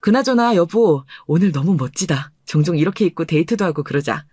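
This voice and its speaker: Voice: medium pitch, expressive, brisk, darkish tone, breathy edge, no echo, clean studio sound. A performer voicing an earnest, deferential husband in his thirties in a dramatized radio story.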